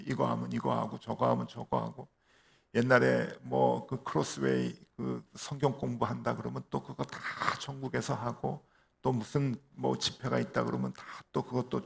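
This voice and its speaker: 중년 남자 목사가 교회에서 "어" 같은 추임새와 반문을 섞어 가며 이야기를 들려주듯 설교한다. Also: male voice, mid-range voice, vocal fry. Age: middle-aged. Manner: storytelling with fillers and rhetorical questions. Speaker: pastor. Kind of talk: sermon. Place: church.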